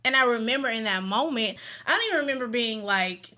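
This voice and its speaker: A woman's voice: a little high, lively intonation, a little fast, sharp tone. A woman co-hosting a casual chat podcast, telling a personal story in a reflective, candid way. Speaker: podcast co-host.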